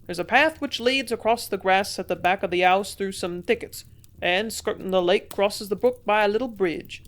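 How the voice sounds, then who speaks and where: A gossiping country innkeeper from a storybook, loud and excited as he spills the news, played by a woman reader. He speaks with eager, raised energy and a chatty flow. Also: medium pitch, moderate pace, natural voice. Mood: explaining. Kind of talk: audiobook character voice.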